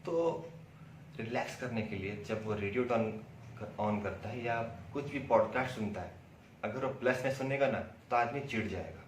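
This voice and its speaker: A man with an Indian accent giving an instructional lecture, explaining things by asking questions and answering them himself. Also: fairly low pitch. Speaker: acting instructor. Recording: roomy echo, distant mic, faint noise.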